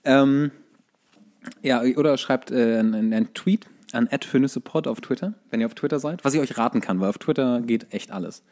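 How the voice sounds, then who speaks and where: A man's voice: medium pitch, normal speed, a little mellow. A man co-hosting a podcast in casual comedic chat, with a sarcastic, coarse, ranting way of talking. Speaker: podcast co-host.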